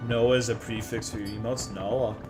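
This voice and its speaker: A man's voice: lowish voice, steady tone, moderate pace, over music. A man from Texas, chatting crudely and jokingly with viewers while streaming a video game. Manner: brash, profane, joking with chat. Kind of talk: casual live gaming stream chatter.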